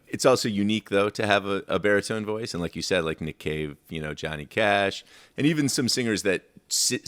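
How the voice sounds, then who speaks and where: Very deep-voiced baritone man. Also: fairly bright tone, clear, resonant tone. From Michigan, USA. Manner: rambling, many fillers and restarts. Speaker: songwriter guest. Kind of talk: casual interview chat.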